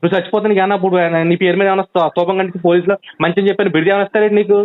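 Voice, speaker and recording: Man pleading fast over a phone line. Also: high-pitched, flat delivery. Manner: pleading, insistent, rapid reasoning with many restarts. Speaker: friend on a phone call. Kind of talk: urgent pleading phone conversation. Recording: tinny phone line recording.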